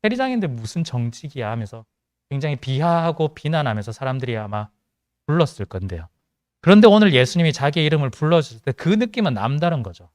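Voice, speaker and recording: A man's voice: on the high side, lively intonation, a little fast, a little mellow, no echo, clean studio sound. Man preaching, mild Gyeongsang accent. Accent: mild Gyeongsang Korean. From Gyeongsang region of South Korea. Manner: conversational, with joking asides. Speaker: pastor. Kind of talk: sermon to a young adults' congregation.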